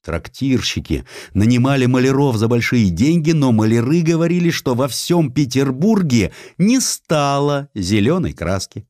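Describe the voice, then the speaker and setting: Guy reading a historical satire audiobook, really lively and ironic, super dry recording. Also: medium pitch, dry recording. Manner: theatrical, ironic storytelling. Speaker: audiobook narrator. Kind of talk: expressive scripted narration of historical satire.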